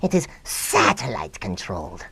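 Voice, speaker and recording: An actor, a man, playing a petulant young mad scientist villain with a pompous, excitable delivery in a comedic radio drama. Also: lowish voice, moderate pace, creaky, breathy edge, no echo, full character voice. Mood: gloating, menacing. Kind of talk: comedic old-time radio drama acting.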